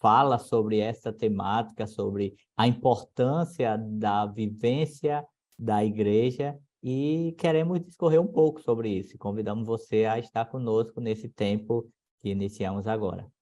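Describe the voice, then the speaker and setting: Low-voiced Brazilian man, formal church teacher. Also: measured pace, a little mellow. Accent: Brazilian Portuguese. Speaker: guest teacher. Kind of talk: church teaching podcast discussion.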